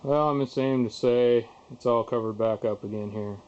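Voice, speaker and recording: A man talks himself into action in a candid, folksy self pep talk, rambling casually as in a homemade vlog. His voice sits at an average pitch, and the recording is dull and lo-fi. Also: fairly even intonation, normal speed, a little mellow. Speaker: car restorer making a vlog. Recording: dull lo-fi camera audio.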